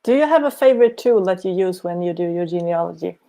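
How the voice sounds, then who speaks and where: A woman's voice: on the low side, animated, quick pace, dark tone. A woman hosting a casual video call interview, giving short affirming replies and questions. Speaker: host.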